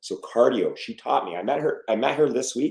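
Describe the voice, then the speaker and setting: Here a man speaks with a Canadian accent. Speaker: cancer patient vlogger, teacher. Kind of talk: live stream update. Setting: live stream at home. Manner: fast.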